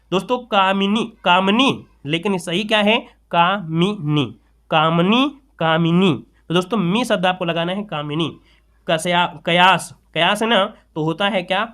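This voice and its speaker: A man with a high, bright voice teaches spelling for competitive exams. He goes through word after word, saying each one several times and calling his viewers friends as he corrects their mistakes. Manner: repeats words, addresses viewers as friends. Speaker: exam tutor. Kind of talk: spelling lesson for exam students.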